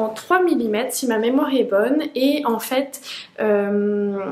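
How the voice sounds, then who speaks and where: A woman with a high pitch talks at a very slow pace. Noticeable background noise and audible room echo surround her voice. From France. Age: 20s. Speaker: knitting vlogger. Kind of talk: casual vlog chat. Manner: hesitant, many filler euh.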